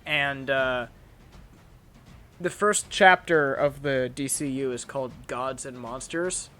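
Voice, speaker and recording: A man's voice: medium pitch, slow pace, fairly bright tone, faint music behind. A young man hosting a casual chat, rambling with lots of fillers and restarts. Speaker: channel host.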